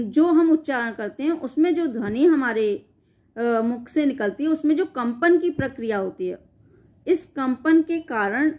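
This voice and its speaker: A woman's voice: high voice, darkish tone. A woman teaching an exam-prep grammar lesson, reading definitions and then explaining them in a loose, spoken way, often correcting herself mid-sentence. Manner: frequent self-corrections and "sorry".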